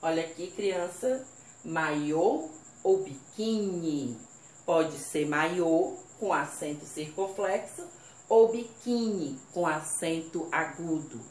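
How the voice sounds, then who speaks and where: A woman's voice: sits low, takes it slowly, darkish tone. A woman teacher with a Brazilian Portuguese accent leads a recorded class for children, talking to them patiently and directly. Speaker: primary school teacher. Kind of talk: recorded remote class lesson. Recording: echoey room, faint background noise.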